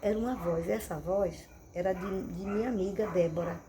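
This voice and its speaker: A woman's voice: mid-range voice, moderate pace, background noise. Casting: woman pastor, mid-range voice, vivid repetitive storytelling, insects audible behind. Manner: animated storytelling with dramatic repetitions. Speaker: missionary and pastor. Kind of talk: testimony preaching. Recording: crickets and insects chirping behind.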